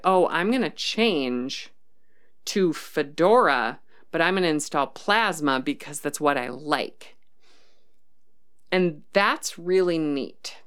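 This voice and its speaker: A woman's voice: sits low, a bit bright, clear, resonant tone. A woman hosting a casual livestream, reading chat comments and thinking aloud with many ums and restarts. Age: adult, worked as a developer.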